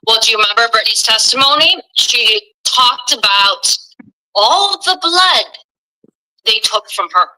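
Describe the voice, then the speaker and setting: Woman interviewer, super bright voice, quick affirming chatter. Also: on the high side, expressive, poor audio. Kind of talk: interview played in a reaction video.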